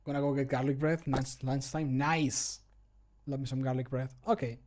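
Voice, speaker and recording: A man's voice: medium pitch, little pitch movement, moderate pace, background noise. A man in his thirties streaming from a home room, chatting casually and jokily into a close microphone. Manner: jokey, self-deprecating, playful sound words when working. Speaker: streamer and hobby voice actor. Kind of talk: casual livestream chat. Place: small home room, indoors. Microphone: close desk microphone.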